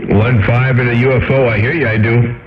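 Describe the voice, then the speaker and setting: A man's voice: medium pitch, fairly even intonation, brisk, a crowd in the background. Man chatting over echoey CB radio. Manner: drawling, trucker-style radio lingo with handles and codes. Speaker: CB radio operator. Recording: echoey dull CB radio transmission.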